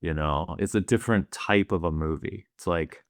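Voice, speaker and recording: A man's voice: low-pitched, normal speed, no echo, studio quality. A man co-hosting a casual film podcast, easygoing and hedging his points. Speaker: podcast co-host.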